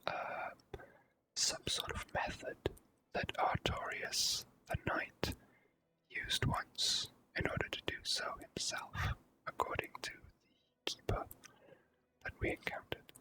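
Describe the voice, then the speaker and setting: A person whispering slow, gentle ASMR commentary while playing a video game. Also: low-quality recording. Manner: hushed, gentle, slow and unhurried. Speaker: video game player and host.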